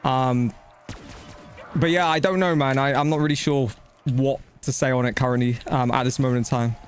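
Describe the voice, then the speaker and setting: A man's voice: medium pitch, steady tone, moderate pace, soft background music. A man giving casual live gameplay commentary and chatting to viewers, blunt, slangy and matey, with some swearing. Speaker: video game streamer.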